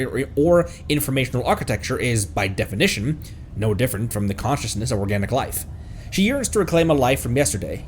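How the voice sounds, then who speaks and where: A man's voice: mid-range voice, slight background noise. A man streaming a video game, reading its text aloud with asides and stumbling over long words.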